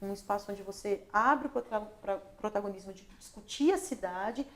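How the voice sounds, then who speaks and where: As a guest on a local talk show streamed on social media, a Brazilian woman who works as an actress, director and lighting designer talks in a mid-range, fairly bright voice at normal speed. The interview is casual, and she comes across as reflective and thoughtful, restarting sentences and often saying "né?"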